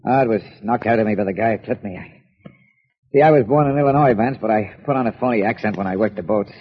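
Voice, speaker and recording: An actor playing a beaten-up, shifty card sharp with an American accent, in 1940s radio-drama style and a stammering way of talking. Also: male voice, on the low side, fast talker, slightly rough, big-room sound. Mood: wary. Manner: nervous, stammering. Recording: dull old radio recording.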